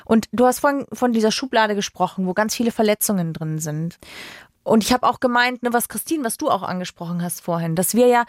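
Gentle woman asking thoughtful questions. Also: medium pitch, a little fast, no room sound, clean studio sound. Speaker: host. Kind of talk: empathetic interview.

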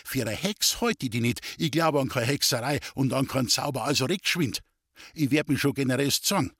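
A man's voice: medium pitch, a little fast, a bit bright, husky, no room sound. A male narrator playing a hearty, blunt Bavarian soldier with a Bavarian accent.

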